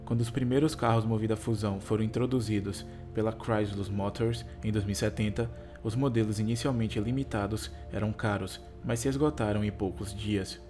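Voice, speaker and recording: A man's voice: on the low side, steady tone, fairly quick, hardly any pauses. A Brazilian Portuguese-speaking man narrating for online viewers, with a tongue-tied impediment that makes some consonants like R, S, T and L hard to articulate. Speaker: YouTube video narrator. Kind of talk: scripted narration and casual sign-off to viewers. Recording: music behind the voice. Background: music.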